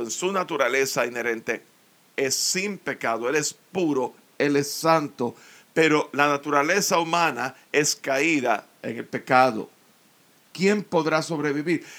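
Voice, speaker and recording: A man preaching a sermon, slowly and earnestly explaining a psalm verse by verse. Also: a little high, a bit bright. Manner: slow, earnest expository preaching.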